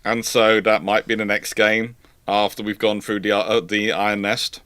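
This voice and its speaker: A man's voice: fairly low pitch, flat delivery, normal speed, fairly bright tone, clear, resonant tone, dry recording. A man hosting a casual livestream as a historian, rambling and often repeating or rephrasing his words as he goes. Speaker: livestream host, naval historian. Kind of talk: casual chat, answering viewer questions.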